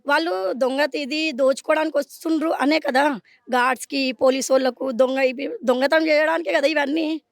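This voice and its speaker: A woman's voice: sits high, steady tone, gravelly, dry recording, clean studio sound. A woman with a Telangana Telugu accent, a resident in a street interview, speaking angrily and firing off demanding questions. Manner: angry, rapid, demanding questions. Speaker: resident facing eviction.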